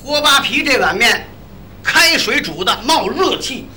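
A man's voice: very high-pitched, unhurried, slight background noise. A man, leading a comic crosstalk routine and briefly acting out each character in his story. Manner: lively, briefly acts out each character in the tale. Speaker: lead crosstalk comedian.

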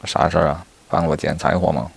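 男声演绎的轻蔑嘲讽的狼, 嗓音极低, 粗粝沙哑, 说话直率. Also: male voice, very deep voice, little pitch movement, brisk, gravelly, breathy edge, exaggerated voice. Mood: mocking. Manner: blunt, mocking, dismissive. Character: scornful male wolf predator, blunt and mocking. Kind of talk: storytelling.

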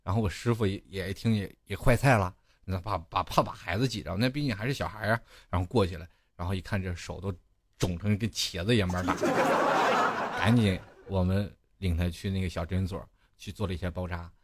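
Lively man telling a funny story. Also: low-pitched, a little fast, heavy background noise. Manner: animated, laughing at his own story. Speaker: studio show host. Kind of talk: comic storytelling. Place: studio.

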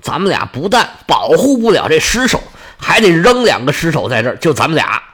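A man's voice: on the high side, big pitch swings, brisk, a bit bright, breathy edge, pitched below the performer's own voice, full character voice. A man voicing a desperate male warrior who talks anxiously. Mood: worried. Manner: anxious, pleading. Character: desperate male Greek warrior, worried and pleading.

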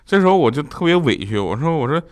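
A man hosting a comedy show, telling funny family stories and acting out his shouting relatives. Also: on the high side, very animated, fast. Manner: tells jokes and acts out shouting relatives. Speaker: comedy podcast host. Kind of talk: comic storytelling.

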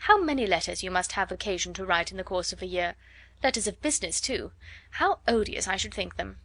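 A woman voicing a flattering young society lady who gushes with eager praise. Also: mid-range voice, brisk. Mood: gushing. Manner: gushing, fawning praise.

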